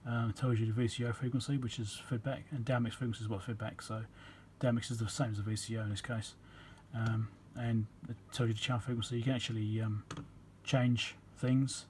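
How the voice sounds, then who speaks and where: A man's voice: medium pitch, level tone, a little fast, few pauses, darkish tone, a little hiss or hum. A man giving a casual technical explanation as a repair video host, rambling and matter-of-fact as he thinks aloud.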